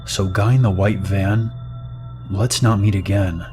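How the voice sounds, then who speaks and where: A man with a low voice reads out true scary stories in a calm, steady way. Faint music plays underneath his narration. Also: a little slow. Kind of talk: scripted narration of reader-submitted scary stories.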